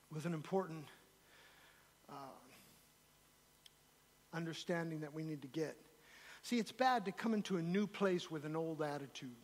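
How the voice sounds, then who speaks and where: American male pastor, high voice, emphatic repetitive preaching, live sermon, reverberant hall. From United States. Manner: preaching with emphatic repetition, swinging between loud declarations and low asides. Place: church hall.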